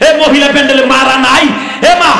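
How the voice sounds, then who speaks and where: A man delivers a fervent sermon in a high, bright, strained voice, his sore throat audible as he shouts and chants. His voice rings through loudspeakers with a long, echoing tail across a large outdoor tent. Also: fairly even intonation, fast, creaky. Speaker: Islamic preacher. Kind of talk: impassioned tearful sermon. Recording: echoey reverberant tent with loudspeakers.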